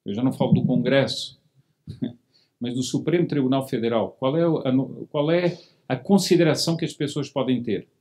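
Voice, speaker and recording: A man's voice: medium pitch, normal speed, a little mellow. A middle-aged man giving a formal political speech from a podium in a hall, asking rhetorical questions and repeating words for emphasis. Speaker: lecturer at a monarchist meeting.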